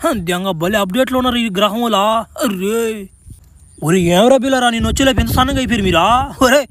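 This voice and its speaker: A man's voice: extremely high pitch, fairly quick, a bit bright, a little hiss or hum. A man voicing a cocky, crude young male superhero stranded on a strange planet in a comedy cartoon, swearing and laughing as he talks, with a rural Andhra Telugu accent. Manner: foul-mouthed, boisterous, laughs between lines.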